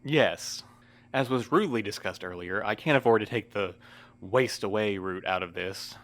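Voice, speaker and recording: Weary male postmaster played by an actor, lowish pitch, wordy and proper, dryly resigned, for a fiction podcast. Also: moderate pace, a bit bright, close to an everyday voice. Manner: wordy, formal, precise. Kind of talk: scripted audio drama acting.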